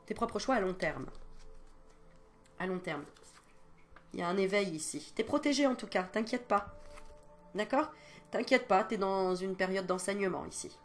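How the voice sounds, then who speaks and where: A woman of middle pitch gives a relaxed card reading straight to camera in French. She talks in a chatty, reassuring way, full of fillers and little sighs, and coughs now and then. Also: normal speed, pauses often, soft background music. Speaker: card reader and medium. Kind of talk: casual tarot-style reading to camera.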